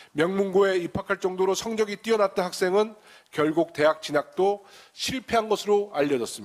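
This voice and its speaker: In a quiet background, a man with a high voice speaks at a moderate pace, keeping his loudness very even and his pitch variation ordinary. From South Korea. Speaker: lawmaker. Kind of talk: formal political speech. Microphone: podium.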